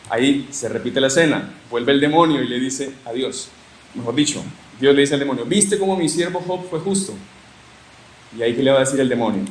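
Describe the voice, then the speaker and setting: A man with a Uruguayan accent gives a teaching talk, retelling scripture as a lively storyteller with joking asides. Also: medium pitch. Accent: Uruguayan Spanish. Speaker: religious formation speaker. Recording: echoey room with faint hiss.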